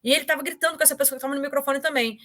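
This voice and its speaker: High, bright-voiced woman. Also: racing. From Brazil. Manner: animated, full of fillers and repeated words. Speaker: interview guest. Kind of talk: casual anecdotal storytelling.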